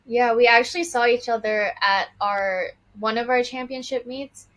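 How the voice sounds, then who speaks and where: A woman's voice: a little high, steady tone, fairly bright tone, muffled recording. Young woman raised in Hong Kong and China, upbeat, chatty guest. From Hong Kong and mainland China. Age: young adult. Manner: upbeat, laughs lightly, quick asides. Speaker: guest, college swimmer. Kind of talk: casual interview.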